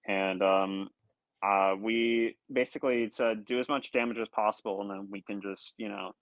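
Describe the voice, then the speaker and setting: A young college player answering interview questions over a call, hesitant, full of likes and ums. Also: male voice, on the low side, fairly even intonation, normal speed, no room sound, dull audio. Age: young adult. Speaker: college esports team player. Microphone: earbuds or headset on a call.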